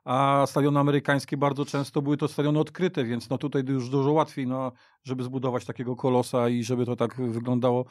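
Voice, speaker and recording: A man speaking haltingly and repeating words as he discusses football off the cuff as a guest. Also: medium pitch, level tone, darkish tone, dry recording. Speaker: podcast guest. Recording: dry radio studio.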